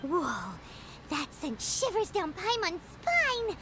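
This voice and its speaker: A woman voicing a tiny chirpy female fairy companion with a squeaky, high childlike voice who speaks of herself in the third person. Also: big pitch swings, takes it slowly, background noise, exaggerated voice. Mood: curious.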